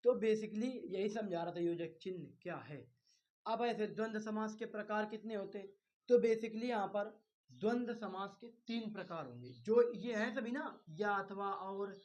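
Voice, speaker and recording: A man's voice: high voice, darkish tone. A male teacher giving an exam-prep grammar lecture, repeating key terms, firing questions at his students and coaxing them along. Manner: reassuring, coaxing with "bhai".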